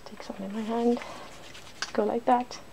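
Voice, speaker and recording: A woman's voice: on the high side, steady tone, a little slow, creaky, mellow, low-quality recording. A woman hosting an ASMR video, chatting casually and informally as she works on someone's makeup. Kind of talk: ASMR, casual chat while doing makeup. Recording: noticeable background noise.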